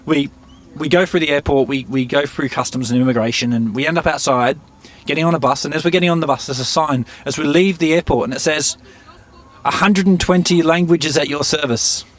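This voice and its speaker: A man telling stories in an interview, halting and searching for words, often laughing. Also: a little high. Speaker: interviewee, musician. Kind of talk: casual storytelling interview.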